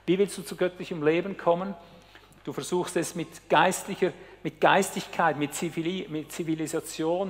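A high-pitched man preaches to a hall audience and speaks straight to them. He moves from quiet, intimate lines to loud, urgent cries. A long reverb hangs behind his voice. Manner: intense preaching, addresses listeners directly, swings from hushed to loud cries. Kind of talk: sermon.

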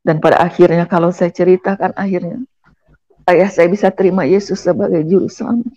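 A woman's voice: lowish voice, steady tone, a little fast, mellow, dry recording, muffled recording. A middle-aged woman from Indonesia gives an earnest personal testimony in church and keeps addressing her listeners directly. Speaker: guest giving a testimony.

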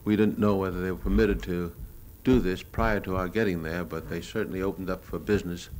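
A low-pitched American man talks through his old home movies in a matter-of-fact, unscripted way. He reminisces hesitantly, like a cameraman explaining his shots. The old live recording has light background noise. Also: fairly even intonation, fairly quick, darkish tone. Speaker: newsreel cameraman.

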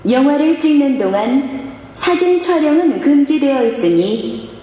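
A woman voicing a park announcer making a slow, polite public announcement over a PA system, measured and formal. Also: high voice, lively intonation, dark tone, a little hiss or hum. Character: calm female park announcer. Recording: echoey reverberant hall sound.

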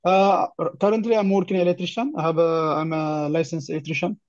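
A young Ethiopian man with a fairly high, even voice speaks haltingly in a casual conversation. His accent is Ethiopian and he often repeats words. The sound is a dull, lo-fi online call. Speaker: career guidance client, refugee newcomer. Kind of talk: casual conversation, introducing himself.

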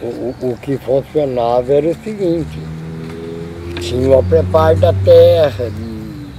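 A man's voice: medium pitch, measured pace, noisy background. An older man with a Brazilian accent, giving short, plain answers about farm work in a casual chat. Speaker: guest.

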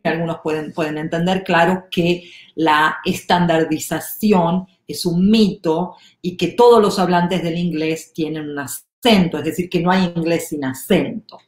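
A woman giving an academic lecture at a graduate seminar, measured and deliberate, stressing her points in lists. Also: lowish voice. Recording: roomy echo.

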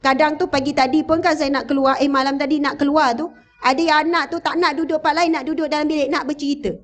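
A woman religious teacher with a Malaysian Malay accent, giving a lively talk in a mosque and quizzing the audience. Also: high-pitched, fast talker, faint music behind. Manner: animated, addresses the audience with questions. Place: mosque hall, indoors. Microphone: handheld or lapel microphone, standing.

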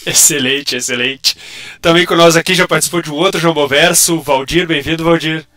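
A man's voice: on the high side, bright, forceful tone. A man hosting a live online panel chat over a video call, his voice turned metallic and robot-like by an audio glitch, jokey and teasing. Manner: jokey, teasing, laughs often. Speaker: host of a publisher's live show. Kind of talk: casual livestream panel chat.

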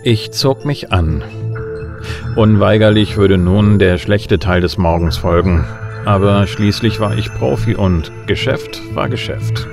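An actor playing a cocky middle-aged bounty hunter who flirts smoothly and narrates wryly in a sci-fi audio drama. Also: male voice, on the low side, measured pace. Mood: wry, laconic. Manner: wry, laconic. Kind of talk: first-person noir narration and dialogue in German sci-fi audio drama. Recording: music behind the voice.

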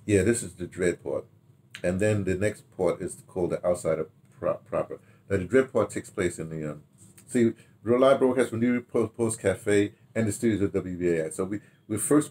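Low-voiced older American man, rambling recollections. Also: a little mellow. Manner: rambling, halting delivery, repeating words, checking notes aloud. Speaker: radio drama producer recalling past productions. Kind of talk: casual reminiscing to camera. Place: small book-lined room at home, indoors.

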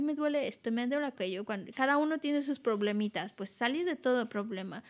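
A woman explaining Buddhist teachings as an interpreter, in a measured way with many restarts. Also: high voice.

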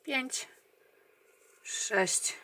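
A crochet tutorial host leads viewers through a pattern step by step, drawing out her words. She counts stitches aloud calmly and quietly, often letting them trail off.

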